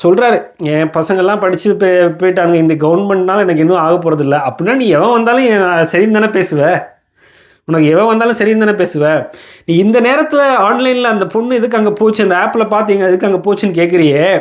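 A man speaks in an animated tone at a high pitch, with ordinary pitch variation. His loudness stays very even over a quiet background. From Kanyakumari district, Tamil Nadu, India. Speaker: political YouTuber. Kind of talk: political commentary monologue.

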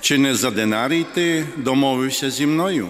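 A man speaking at a very slow pace over light background noise. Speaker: priest. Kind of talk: liturgical Gospel reading. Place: church. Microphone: podium.

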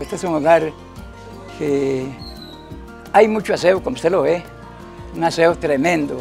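Over music in the background, a man speaks in a high pitch at a moderate pace with ordinary pitch variation. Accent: Costa Rican. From Cartago, Costa Rica. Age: 80s+. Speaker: retired mechanic, nursing home resident. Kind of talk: interview answer.

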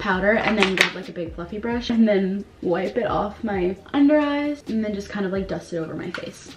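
A woman at a moderate pace, with hardly any pauses, ordinary pitch variation and big swings in loudness, over noticeable background noise. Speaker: vlogger. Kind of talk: casual vlog chat. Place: home room. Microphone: phone near.

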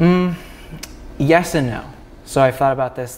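A man at a fairly quick pace with fairly even intonation, over light background noise. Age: 30s. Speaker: neuroscience technology researcher; interview guest. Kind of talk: interview. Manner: hesitant with fillers. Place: studio. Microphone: lapel.

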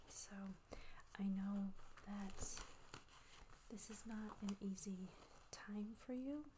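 The speech is very slow with long, frequent pauses and fairly even intonation. Noticeable background noise is present. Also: woman. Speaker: ASMR artist playing a police sketch artist. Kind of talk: ASMR roleplay, whispered and soft-spoken. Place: home room. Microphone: webcam.

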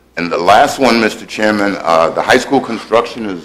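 Over light background noise, a man with an ordinary speaking voice talks at a moderate pace in a fairly low pitch. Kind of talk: formal meeting report. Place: hall. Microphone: podium.

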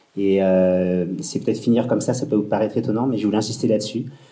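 A man speaks in a dark, mellow tone. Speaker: community official; event host or moderator. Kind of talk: closing speech. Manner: halting. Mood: warm, thankful. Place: meeting room. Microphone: handheld.

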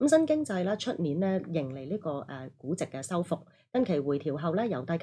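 A dark, mellow tone at a moderate pace. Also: woman. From Hong Kong. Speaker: financial news show host. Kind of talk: live market news show. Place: studio.

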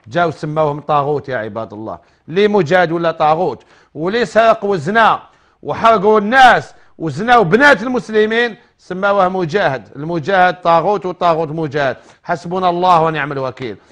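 A man with a high pitch talks in an animated tone with lively intonation. His pace is moderate, and the background is quiet. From Algeria. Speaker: religious radio host answering listener questions. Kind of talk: radio religious advice show. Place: studio.

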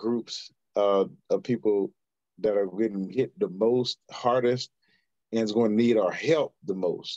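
A man with an American accent speaks in a dark, mellow tone at a fairly low pitch. His pace is very slow and his intonation fairly even, over a quiet background. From US South. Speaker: city councilman; city council member. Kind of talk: community meeting. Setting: video call. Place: office. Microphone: video call.

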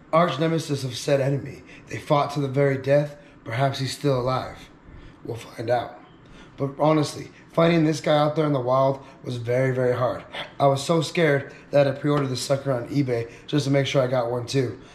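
Audible room echo and light background noise surround a man. He talks at a fairly quick pace with monotone, flat intonation. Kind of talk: casual vlog chat. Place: home room.

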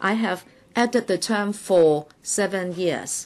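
Her voice sits at a medium pitch with ordinary pitch variation and a slightly mellow tone.

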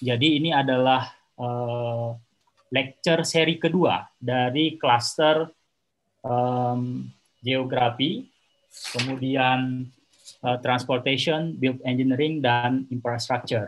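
A man talks very slowly, his intonation staying fairly even. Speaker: webinar moderator. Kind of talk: moderated panel. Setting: video call. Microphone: video call.

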